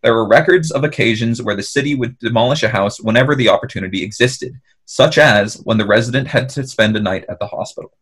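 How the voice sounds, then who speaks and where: A man's voice: mid-range voice, quick pace, few pauses, a bit bright, breathy edge. A man hosting a podcast, telling a history story in a wry, casual way over a remote call. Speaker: podcast host. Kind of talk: storytelling narration with casual banter.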